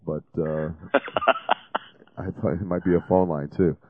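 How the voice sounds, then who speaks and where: Chatty low-voiced radio host man. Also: takes it slowly, breathy edge, dry recording, phone-quality sound. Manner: chatty, rambling, jokey. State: has a cold. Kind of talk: casual call-in radio talk. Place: radio studio.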